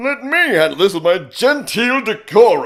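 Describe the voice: The pitch here is fairly high. It comes from a put-on character voice.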